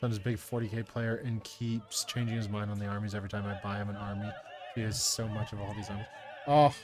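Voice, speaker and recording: Very fast, fairly even speech from a man with fairly low pitch, music playing in the background. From Canada. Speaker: miniature painting streamer. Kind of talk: casual livestream chat while building models. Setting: livestream. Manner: gets quieter when distracted.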